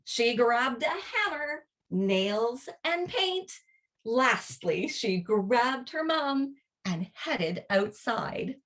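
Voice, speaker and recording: A woman reads a picture book aloud with a highly animated, lilting delivery. Her voice is on the high side, and she takes her time, stretching words out very slowly for young listeners. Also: distant mic. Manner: animated, drawn-out, deliberate storytelling. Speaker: children's book reader.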